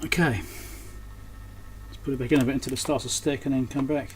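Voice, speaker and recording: An electronics repairer, speaking briskly in a mid-range voice with fairly even intonation, presents his repair while working at a workbench. His commentary is casual, full of muttering and thinking aloud, and background noise is clearly audible.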